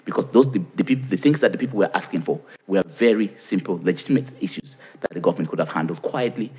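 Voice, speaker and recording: Speaking in a low, expressive, slightly mellow voice at a brisk pace, this Cameroonian man has an English-speaking Cameroonian accent. As an interview guest he answers at length, repeating words as he looks for them and asking himself questions before he responds.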